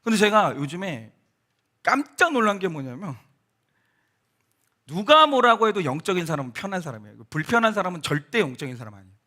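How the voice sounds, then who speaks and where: A man's voice: sits high, fairly quick. A male pastor giving a sermon in a conversational, storytelling way, speaking straight to the congregation and acting out the people in his stories. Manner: animated storytelling, acts out quoted voices; conversational, addresses congregation directly. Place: church sanctuary.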